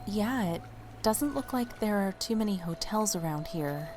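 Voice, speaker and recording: A woman portrays a tired, soft-hearted young woman in an audio drama. She speaks mildly at a medium pitch, with music clearly behind her. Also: expressive, normal speed, close to an everyday voice. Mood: mild, sleepy. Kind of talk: naturalistic audio drama acting.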